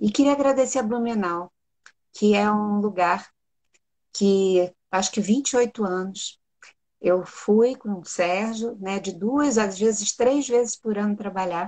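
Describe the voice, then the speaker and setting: Speaking in a Carioca accent, a woman talks fairly slowly at a medium pitch with ordinary pitch variation. She leaves long, frequent pauses. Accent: carioca Brazilian Portuguese. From Rio de Janeiro, Brazil. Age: 60s. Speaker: astrologer. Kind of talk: live-stream interview. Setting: online live stream from home in forest.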